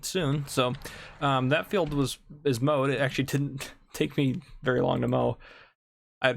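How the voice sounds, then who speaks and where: A young man with a gravelly, creaky voice rambles through relaxed gameplay commentary, chuckling now and then. His voice sits at an ordinary pitch, and a faint hiss of background noise runs under it. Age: 20s. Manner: chatty, rambling, laughs often. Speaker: gaming channel host. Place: home room.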